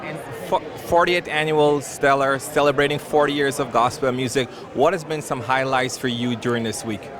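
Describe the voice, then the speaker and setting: A man's voice: mid-range voice, fairly even intonation, normal speed. A man working as a red carpet interviewer, chatting in an upbeat, gushing, complimentary way with guests. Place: busy red carpet event. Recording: loud crowd noise at busy event.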